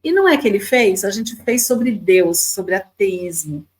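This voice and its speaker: A woman's voice: medium pitch, animated, measured pace, poor audio. A woman in her fifties from Brazil, a podcast guest telling stories in a chatty way, often repeating words and adding tag questions. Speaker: podcast guest, YouTuber and lawyer. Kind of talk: casual storytelling interview.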